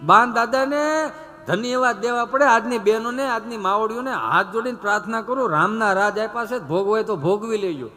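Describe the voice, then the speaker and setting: A man's voice: high voice, fairly quick, pushed and bright, faint music behind. A man telling folk comedy stories on stage with a Gujarati accent, acting out village characters in raised voices. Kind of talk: folk stand-up storytelling.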